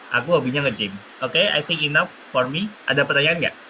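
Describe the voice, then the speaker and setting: Noticeable noise sits in the background. A man talks over it at a moderate pace. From Central Java, Kudus. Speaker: online tutor. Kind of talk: online lesson. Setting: video call. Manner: casual with frequent fillers.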